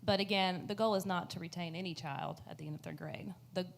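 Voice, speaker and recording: A woman's voice: on the low side, fairly quick, creaky. A woman on a panel, explaining in an earnest way with frequent fillers and restarts. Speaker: panelist on education policy. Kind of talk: panel discussion.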